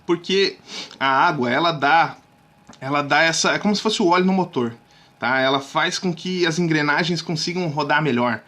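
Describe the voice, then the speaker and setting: A man teaching communication skills in a casual video lesson, talking straight to viewers with frequent check-ins and sudden drops to a hushed voice. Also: a little high, moderate pace. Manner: lively, drops suddenly to near-whispers to show technique; chatty, addresses viewers directly with frequent "tá?". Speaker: communication coach.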